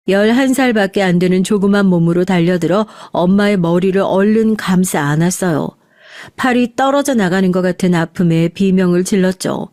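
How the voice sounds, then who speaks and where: A woman's voice: mid-range voice, a little mellow, no echo. Woman narrating a story, very dry sound. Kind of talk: scripted first-person story narration.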